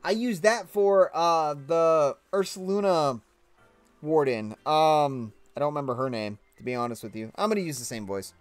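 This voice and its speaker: A man's voice: fairly high pitch, normal speed, dry recording, soft background music. A man casually commenting on his gameplay with chatty, self-mocking asides. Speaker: let's play gamer.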